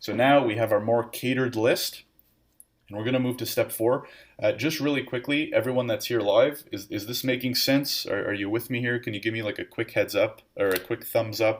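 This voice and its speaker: A man talks at a fairly quick pace with fairly even intonation at a medium pitch, in an ordinary speaking voice. The recording is very clean with a silent background. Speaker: immigration lawyer. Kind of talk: live-streamed tutorial. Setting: live stream. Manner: casual, filler-heavy.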